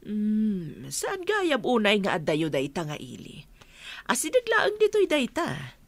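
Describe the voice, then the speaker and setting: A caring, expressive mother. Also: mid-range voice, unhurried, vocal fry, full character voice. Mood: tender. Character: caring mother talking with her son. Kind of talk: radio drama acting.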